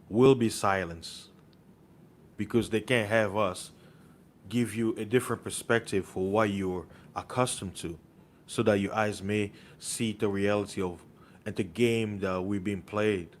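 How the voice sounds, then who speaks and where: Slow, low-voiced man preaching insistently. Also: steady tone, a little hiss or hum. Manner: insistent, rhetorical questions, repeats words for emphasis. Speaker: online preacher. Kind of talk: impassioned monologue.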